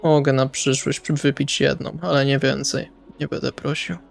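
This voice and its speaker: A man's voice: mid-range voice, little pitch movement, moderate pace, creaky, soft background music. A man playing in a tabletop roleplaying game, speaking casually as his character.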